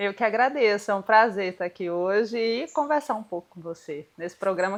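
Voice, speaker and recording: A woman talks at a medium pitch in a Bahian accent. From Brazil, Bahia (Senhor do Bonfim). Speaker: lawyer and federation president. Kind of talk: interview.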